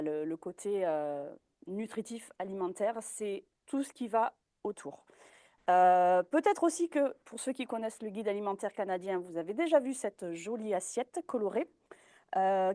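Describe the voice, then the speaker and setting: A woman's voice: medium pitch, warm tone, no room sound. A young woman giving a presentation as a dietitian, hesitant, with many fillers and restarts. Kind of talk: informal talk presentation.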